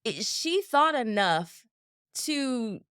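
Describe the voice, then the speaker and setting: A woman in her thirties co-hosting a casual chat with her sister, telling stories in a lively way and acting out quotes. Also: on the high side, extremely slow, smooth, no room sound, clean studio sound. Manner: animated storyteller, acts out quotes, laughs easily. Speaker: podcast co-host.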